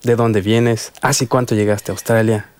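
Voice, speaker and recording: A man's voice: fairly low pitch, little pitch movement, moderate pace, no room sound. A man hosting a casual radio interview, chatty and hesitant, with many restarts. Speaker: radio show host. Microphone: studio microphone.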